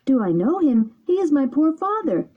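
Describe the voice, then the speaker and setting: A woman voicing a desperate, impulsive wooden boy puppet, pleading in a high tearful voice. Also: big pitch swings, normal speed. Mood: eager. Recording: dull lo-fi recording.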